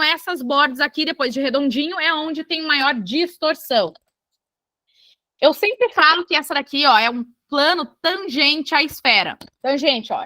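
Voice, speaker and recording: A Brazilian woman with a high, bright, forceful voice teaches an online exam-prep geography lesson. She's lively and keeps turning to her students to make sure they follow. The recording is dry and close-miked, with no echo.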